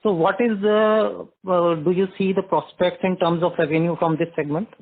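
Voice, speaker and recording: A man's voice: sits high, steady tone, normal speed. A man with an Indian accent, an individual investor putting questions on a conference call. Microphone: phone handset. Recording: narrow, tinny phone line.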